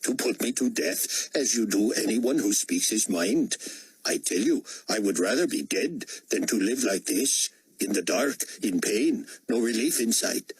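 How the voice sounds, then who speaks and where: A man's voice: fairly low pitch, animated, measured pace, slightly rough, dry recording, voice pushed up, exaggerated voice, poor audio. A man voicing an anguished, outspoken Indian cabinet member with an Indian accent, pleading and defiant, in an audiobook thriller. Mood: bitter defiance.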